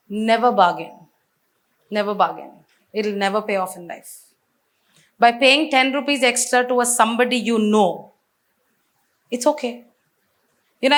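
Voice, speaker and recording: A woman with an Indian English accent giving a lively seminar talk, asking the audience questions. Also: fairly high pitch. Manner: energetic, asks the audience questions. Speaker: business speaker.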